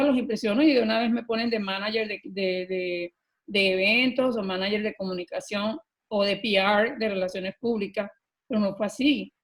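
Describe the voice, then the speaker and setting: A middle-aged Colombian woman telling her own story as a podcast guest, earnest and animated, often pausing with filler words. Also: medium pitch. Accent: Colombian Spanish. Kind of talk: personal storytelling in an interview.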